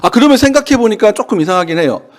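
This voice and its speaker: A young male pastor delivering an early morning sermon. His voice sits high and swings widely in pitch as he preaches. He keeps asking his listeners questions and now and then breaks into shouts. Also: very fast. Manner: animated preaching, rhetorical questions, bursts of shouting. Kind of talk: dawn service sermon.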